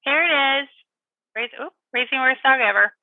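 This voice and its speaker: A woman dog trainer and author chatting as an interview guest, animated and quick to laugh. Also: high-pitched, no room sound, phone-quality sound. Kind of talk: interview guest, casual chat.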